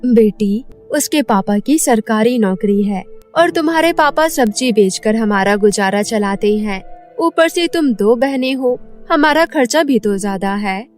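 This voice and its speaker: Woman doing a gentle caring mom from a cartoon story, high voice, soft n earnest, consoling. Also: animated, a little slow, faint music behind. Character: gentle, caring Indian village mother, consoling and practical. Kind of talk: Hindi cartoon story dubbing.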